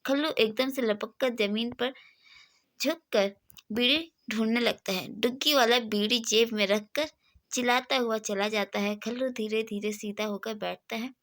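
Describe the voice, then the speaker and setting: A woman reading a one-act play aloud, naming each character before their line and stopping now and then to correct a slip. Her voice sits slightly high. The delivery is a plain, steady storybook reading. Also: measured pace. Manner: reads each speaker's name before their line, with small slips. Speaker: Hindi tutor.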